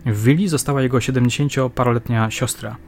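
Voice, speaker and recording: A man reading a crime novel aloud in scripted, measured narration. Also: medium pitch, steady tone, a little mellow, a little hiss or hum. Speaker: audiobook narrator.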